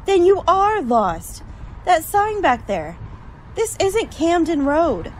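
A woman's voice: very high-pitched, big pitch swings, slow, a little hiss or hum, heavily acted. A woman playing a sarcastic, complaining young college student in a radio play. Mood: insistent, skeptical. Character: grumbling, wisecracking young female college student.

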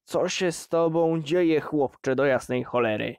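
A man voicing a drunk, bitter middle-aged miner who yells contemptuously at his son. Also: mid-range voice, fairly even intonation, slow pace, smooth, no room sound, studio quality. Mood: drunken rage. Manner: shouting, snarling, contemptuous.

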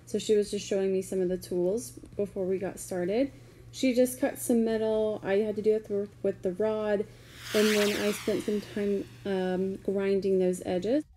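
A woman's voice: mid-range voice, flat delivery, moderate pace, dark tone, slight background noise. A young woman chatting casually in a vlog, talking in an easygoing way full of "like" fillers. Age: young adult. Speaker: vlogger.

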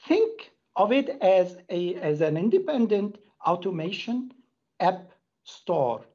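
A man's voice: sits high, a little mellow, slightly rough, muffled recording. A middle-aged man giving a prepared corporate presentation as an executive, speaking in an earnest, emphatic way. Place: indoor room, plain wall.

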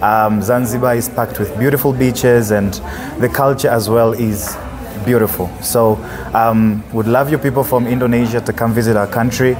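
A man from Tanzania who owns a tour company, speaking calmly with many fillers at a conference venue. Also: mid-range voice, moderate pace. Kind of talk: welcoming statement.

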